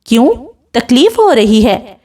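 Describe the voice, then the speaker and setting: A woman's voice: on the high side, very animated, warm tone. A woman voicing a sick young woman in a hospital bed, tearful and accusing in a raised voice.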